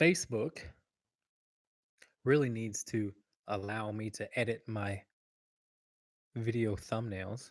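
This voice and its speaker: Quiet and very slow, a man speaks at a medium pitch with long, frequent pauses. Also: ordinary pitch variation. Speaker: dog trainer. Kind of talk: live Q&A stream. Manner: speaking quietly; casual conversational.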